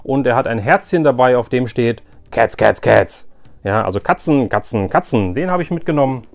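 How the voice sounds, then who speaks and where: A man's voice: medium pitch, expressive, normal speed, vocal fry. A man talking casually and informally to his viewers as the host of a haul vlog, chatty and direct. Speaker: YouTube host, flea market collector.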